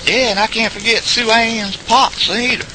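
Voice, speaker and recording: A man's voice: very high voice, fairly even intonation, moderate pace. A man playing a sarcastic, hot-headed backwoods fellow with a twangy Southern US accent in an audio drama. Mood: grumbling. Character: hot-headed, sarcastic rural Southern good ol' boy. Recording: clear outdoor ambience noise behind voice.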